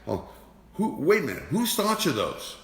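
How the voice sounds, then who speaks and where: A man's voice: fairly high pitch, huge pitch swings, normal speed. A man giving a motivational teaching talk as an energy awareness teacher, emphatic and repeating rhetorical questions. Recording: roomy with long reverb.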